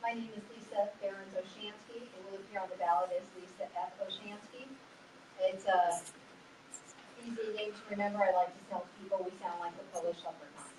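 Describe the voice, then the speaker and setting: A woman's voice: medium pitch, fairly even intonation, brisk. A middle-aged woman giving a candidate's opening statement, friendly with a light joke, then businesslike. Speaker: council candidate. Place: public meeting hall. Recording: echoey hall, distant mic, background noise.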